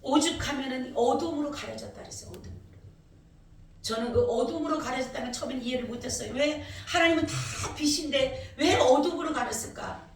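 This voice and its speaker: A woman pastor giving an emotional testimony sermon, telling her story with animated, often rising speech. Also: high voice, fairly quick, recorded from a distance. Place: church service. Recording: echoey church from afar, faint noise.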